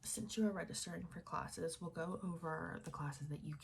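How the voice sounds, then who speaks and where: A woman softly role-playing a friendly, easygoing student advisor in an ASMR style, casual and halting, with some whispering. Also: on the low side, creaky. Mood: calm, pondering. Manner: casual, unhurried, halting with trailing pauses. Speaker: ASMR roleplayer. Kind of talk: ASMR roleplay, soft-spoken with some whispering. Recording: faint noise, keyboard typing and clicking. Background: typing, tapping and clicking sounds.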